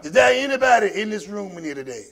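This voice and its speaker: A man's voice: high voice, sing-song, fast, a bit bright. A man from Mississippi with a Southern African American accent, preaching a sermon in a folksy, emphatic, repetitive way to his congregation. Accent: Southern African American English. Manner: folksy, emphatic, repeats phrases for effect. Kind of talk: sermon with call and response.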